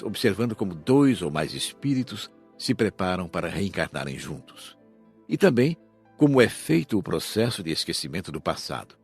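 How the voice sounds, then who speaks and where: Husky, low-voiced male teacher read by a man. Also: a little mellow, full character voice. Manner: didactic, measured. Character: male spirit teacher explaining reincarnation calmly. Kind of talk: scripted audiobook narration.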